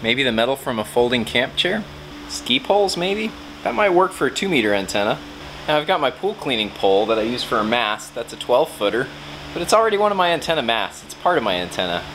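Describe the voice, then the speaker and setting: A man's voice: medium pitch, very animated, brisk, a bit bright, slight background noise. A man in his thirties talking casually for a vlog, musing aloud as he goes. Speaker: amateur radio video maker. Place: garage workshop and open field.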